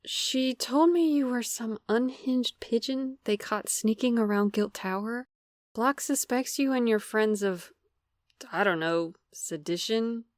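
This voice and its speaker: An actress playing a guarded perfectionist young office worker in an audio drama, measured, articulate and earnest. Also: female voice, a little high, no room sound, clean studio sound, natural voice. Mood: pleading, confessional.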